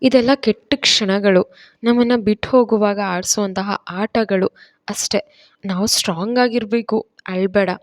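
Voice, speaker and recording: A woman's voice: medium pitch, steady tone, unhurried, no room sound, clean studio sound, lightly acted. A woman voicing a caring young sister who consoles and defends her sibling in a storybook reading. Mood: consoling. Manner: soft, consoling.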